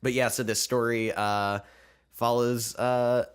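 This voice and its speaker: A man's voice: mid-range voice, flat delivery, slow, clean tone. Slightly sick, nasal man. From United States. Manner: chatty, self-deprecating, many fillers. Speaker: podcast host. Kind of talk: casual chat. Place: apartment living room. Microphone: new podcast microphone.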